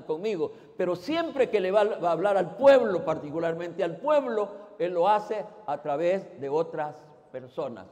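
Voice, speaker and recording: Man preaching high-voiced in a reverberant church. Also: a little mellow. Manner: conversational preaching, asks the congregation questions, many restarts. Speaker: pastor. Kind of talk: sermon.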